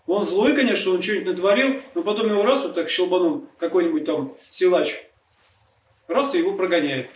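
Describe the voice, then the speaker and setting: A man's voice: high voice, brisk. A man preaching a sermon, explaining earnestly and asking rhetorical questions. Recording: echoey room, distant mic, faint noise.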